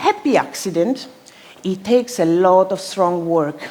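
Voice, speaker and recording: A woman talks at a fairly slow pace in an Italian accent. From Italy. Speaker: architect. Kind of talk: conference talk. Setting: stage with audience.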